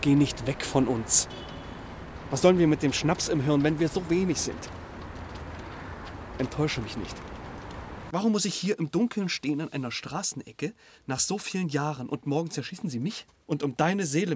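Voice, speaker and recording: An actor playing a solemn, pleading revolutionary in a stage-style radio drama. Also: male voice, fairly high pitch, lively intonation, moderate pace, darkish tone, slight background noise, natural voice. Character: male liquor-seller revolutionary, earnest and pleading. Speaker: revolutionary urging a comrade on.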